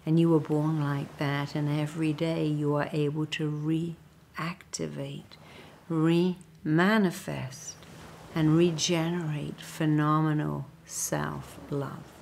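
Slow, low-voiced English woman guiding meditation. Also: level tone, a little mellow, a little hiss or hum. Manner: slow, soothing, breathy at times. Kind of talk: guided meditation.

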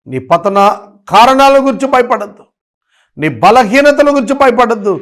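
A man preaching a sermon in a pleading, rhythmic style, repeating phrases and dropping into slow, emphatic English lines with a Telugu accent. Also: very high voice, expressive, a bit bright. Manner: pleading, rising and falling emphasis.

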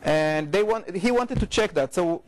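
A middle-aged man with an Israeli accent gives an informal academic talk, often halting, repeating and correcting himself. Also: high-pitched, lively intonation. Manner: informal, halting, frequent repetitions and self-corrections. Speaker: researcher giving a lecture. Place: lecture room, indoors.

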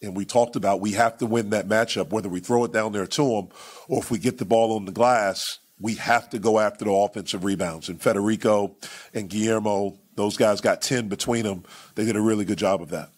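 A man in his forties with a fairly low voice, fielding questions as head coach at a postgame press conference. He answers in a measured, repetitive way, leaning on "you know" and "man," speaking into microphones set on the table. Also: fairly even intonation, husky. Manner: measured, repeats phrases, many fillers like "you know" and "man". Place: press conference room with sponsor backdrop.

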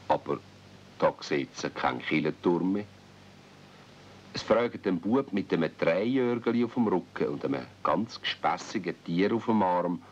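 A man with a Swiss accent narrating a children's radio play as a storyteller. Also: sits low. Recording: dull, faintly noisy old cassette recording.

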